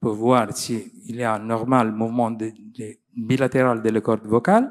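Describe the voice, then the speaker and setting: On a very clean recording with a silent background, a man with an Italian accent speaks at medium pitch and a very slow pace. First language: Italian (speaking French). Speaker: doctor. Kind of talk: lecture. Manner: halting.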